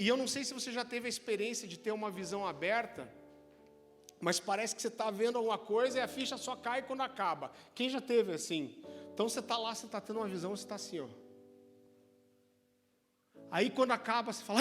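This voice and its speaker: A man with a Brazilian accent preaching a sermon, telling a personal testimony in an animated, chatty way. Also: high-pitched. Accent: Brazilian Portuguese. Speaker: pastor. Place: church sanctuary. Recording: church hall reverb with music.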